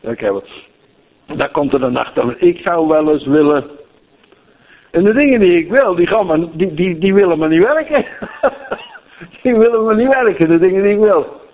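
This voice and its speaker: An older man preaching a sermon in a high voice. He keeps asking his listeners questions and repeats words as he builds up to them. The sound is thin and phone-like. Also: animated, normal speed, pauses often. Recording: tinny phone-like recording.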